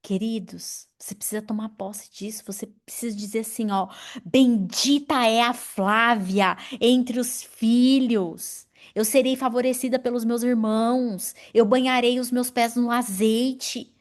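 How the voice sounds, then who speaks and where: A woman in her forties preaches to her congregation. She speaks in an animated, personal way and calls on listeners by name. Her voice sits fairly high. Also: measured pace. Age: 40s. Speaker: pastor. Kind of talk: sermon.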